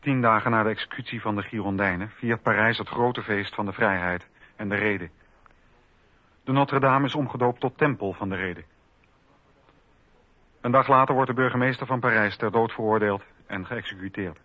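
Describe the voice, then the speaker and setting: A man's voice: lowish voice, moderate pace, no echo. A man narrating a scripted historical documentary drama for radio. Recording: dry, slightly dull radio recording.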